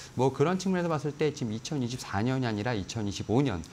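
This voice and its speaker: Pitch swings very widely at a moderate pace. Light background noise can be heard. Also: man. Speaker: stock market analyst. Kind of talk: market commentary. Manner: hedging, filler-heavy. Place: studio.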